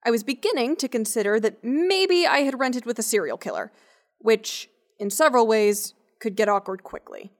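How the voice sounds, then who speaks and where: A woman's voice: a little high, big pitch swings, normal speed. An actress playing an awkward, sarcastic scientist in an audio drama, rambling and hesitant as she talks and narrates. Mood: wry, uneasy narration. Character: awkward, wry, sweary young woman scientist and cryptozoologist. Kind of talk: naturalistic audio drama acting with first-person narration.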